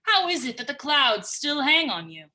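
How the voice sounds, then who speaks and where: Reproving, silver-tongued king and stepfather played by a woman, high and bright, formal Shakespearean verse. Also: sing-song, moderate pace, full character voice. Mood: courtly. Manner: formal, stately verse delivery. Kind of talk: livestreamed Shakespeare dramatic reading. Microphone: remote livestream from own location.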